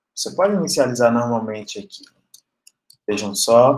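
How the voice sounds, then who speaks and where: The room echo is clearly audible. A man talks at a medium pitch. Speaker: programming teacher. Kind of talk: live online lecture. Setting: live stream with screen share. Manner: slow.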